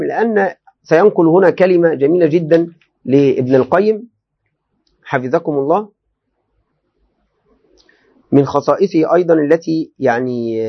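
A man's voice: a little high, gravelly, slightly rough, lo-fi sound. A man teaching a religious text in a classroom lecture, often repeating and restating phrases and speaking directly to his students. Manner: addresses listeners directly, often checking understanding.

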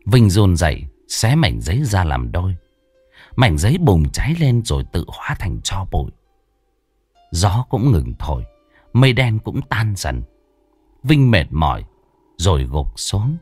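A man narrating a ghost story in a slow, dramatic, hushed telling. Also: low voice, very animated, breathy edge, no room sound. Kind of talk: scripted horror story narration. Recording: dry close voice with faint music.

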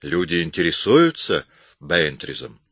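A man's voice: low voice, sing-song, measured pace, a bit bright, slightly rough, dry recording, full character voice. A man voicing a nervous, cautious man who speaks hesitantly. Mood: uneasy.

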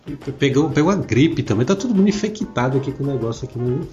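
Man, podcast host, has the flu, relaxed, joking, mid-pitched voice, slightly muffled mic. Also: fast talker, faint music behind. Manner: relaxed, laughs between lines, reads listener comments. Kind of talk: casual podcast chat.

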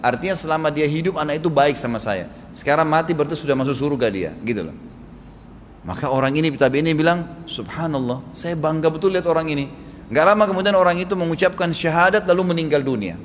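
Animated preacher in echoing hall. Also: male voice, a little high, fast, a little hiss or hum. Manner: animated storyteller acting out dialogue. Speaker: Islamic preacher. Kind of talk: sermon storytelling. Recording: long hall reverb, faint ambience.

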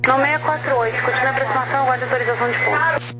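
A woman air traffic controller giving crisp, clipped instructions over a two-way radio transmission. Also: sits high, fairly even intonation, rapid-fire. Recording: noisy radio transmission with hum.

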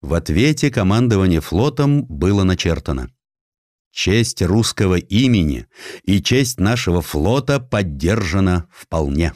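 Male audiobook narrator for historical prose: low register, wide expressive range, measured dramatic emphasis, dry close recording. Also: no room sound. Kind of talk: scripted literary narration of a historical essay.

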